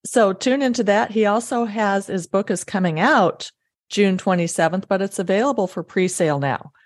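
A woman's voice: medium pitch, normal speed, dry recording. A woman hosting a faith podcast, speaking, affirming and eager, often speeding up in bursts. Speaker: podcast host. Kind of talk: casual faith interview.

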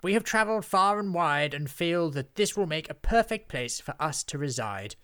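A haughty storybook witch, played by a male narrator, speaks in a raised pitch. She is imperious and pompous, drawling out her words as if every one is a command. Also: lively intonation, normal speed, pushed and bright, clear, resonant tone. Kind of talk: children's storybook character voice.

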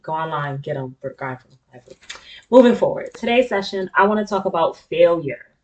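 A woman's voice: fairly low pitch, animated, fairly quick, darkish tone, muffled recording. A middle-aged woman with an African American accent hosting a casual, candid monologue in an informal, slangy, conversational way. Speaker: talk show host. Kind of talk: casual personal monologue to an audience.

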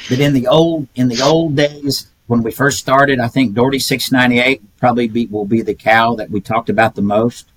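A man's voice: mid-range voice, steady tone, moderate pace, few pauses, poor audio. An older man, telling folksy stories as a podcast guest and chuckling often. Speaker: guest, retired pedigree reader. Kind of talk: casual podcast chat.

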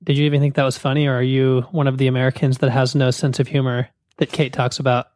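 A man's voice: medium pitch, little pitch movement, quick pace, darkish tone, no room sound, studio quality. A man co-hosting a podcast, joking with a sarcastic edge. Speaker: podcast co-host. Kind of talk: podcast chat.

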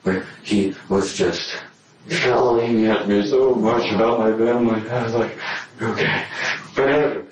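A man under police interrogation, answering in halting, subdued bits that trail off. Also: on the low side, level tone, darkish tone, a little hiss or hum. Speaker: murder suspect under interrogation. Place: interrogation room. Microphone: far room camera. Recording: echoey room from a distant camera.

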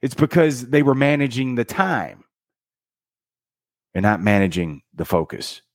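A man giving casual, energetic motivational commentary on a book, punching out single words and counting beats for effect, with slang like "dude". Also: medium pitch, measured pace, dry recording, studio quality. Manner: energetic and emphatic, with dramatic counting and punchy one-word beats. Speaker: book summary host.

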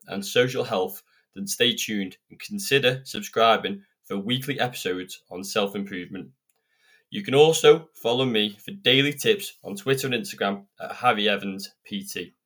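A young man with a fairly low voice talks into a podcast microphone, earnest and chatty in a loose, rambling way. He sounds slightly croaky and sniffly, as if nursing a cold. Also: a bit bright. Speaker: podcast host. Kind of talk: solo self-improvement podcast monologue.

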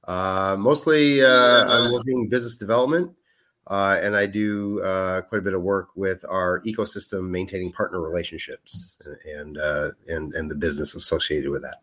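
Lower-pitched male guest, hesitant and filler-heavy explainer. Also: fairly even intonation, normal speed, a bit bright. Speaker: guest, product manager. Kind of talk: podcast interview.

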